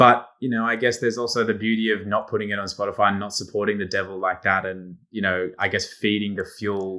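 Speaking in an Australian accent at a very fast pace with hardly any pauses, a man with a fairly low pitch has a bright, sharp tone and monotone, flat intonation, in a very clean recording with a silent background. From Australia (Sydney). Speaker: DJ and music label manager. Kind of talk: casual chat.

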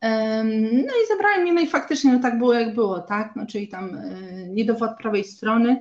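Here is an ordinary speaking voice at a fairly quick pace. Its pitch variation is ordinary. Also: woman, fairly high pitch for a woman. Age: 30s. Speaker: leather handbag business owner. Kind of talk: live interview.

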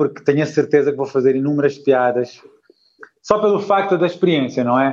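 A man is speaking. His pace is moderate. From Cape Verde. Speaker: stand-up comedian. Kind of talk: casual chat.

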